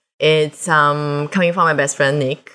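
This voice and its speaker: A speaker with a Chinese accent talks at a moderate pace in a bright, sharp tone. The recording is very clean, with a silent background. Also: woman. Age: 30s. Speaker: podcast host. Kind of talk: casual chat.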